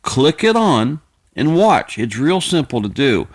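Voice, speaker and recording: A man talks in a mid-pitched voice. He rambles in a folksy, homespun way, stopping short and repeating himself as he goes. The delivery is casual and unscripted, like a personal vlog. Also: big pitch swings. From United States. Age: 50s. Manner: repetitive, halting, circling back over phrases; folksy, plainspoken. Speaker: video creator.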